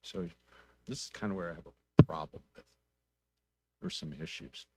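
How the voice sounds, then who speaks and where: A man speaking as a council member at a public meeting, asking probing questions in a plainspoken, deliberate way. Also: low-pitched, a bit bright, slight background noise.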